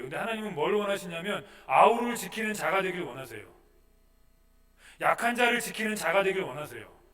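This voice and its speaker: A male pastor preaching a sermon, asking questions and moving between soft and loud. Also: high-pitched, recorded from a distance. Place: church sanctuary.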